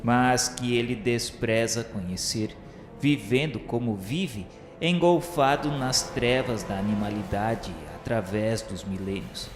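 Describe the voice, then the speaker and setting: A Brazilian man playing a repentant spirit who narrates a radio serial, solemn, fervent and awestruck, declaiming in grand literary style with dramatic pauses. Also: mid-range voice, lightly acted. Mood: solemn awe. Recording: echoey hall reverb over music. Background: music.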